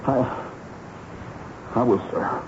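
An actor playing a nervous, cringing young soldier and spy, stammering and hesitant, in a 1970s radio drama. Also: male voice, very slow. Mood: subdued, confessing. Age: young adult. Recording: muffled, hissy 1970s radio broadcast.

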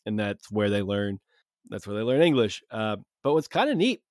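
A man's voice: fairly low pitch, sing-song, moderate pace, a little mellow, dry recording, studio quality. A young man hosting a podcast, talking in rambling casual chat with many fillers. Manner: rambling, heavy on fillers and restarts. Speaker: podcast host.

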